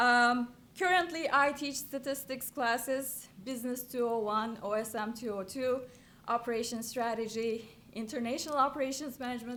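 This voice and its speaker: With a Turkish accent, a woman talks in a high, bright, sharp voice with fairly even intonation. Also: moderate pace. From Turkey. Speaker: professor, panel moderator. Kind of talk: panel moderation.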